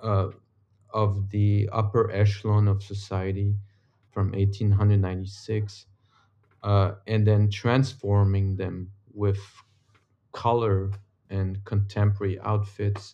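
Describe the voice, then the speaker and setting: A man with a French accent speaks at a very slow pace, leaving long, frequent pauses. His voice is fairly low in pitch, somewhat breathy and dark and mellow in tone, with monotone, flat intonation. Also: quiet background. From Belgium. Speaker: portrait painter. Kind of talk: interview.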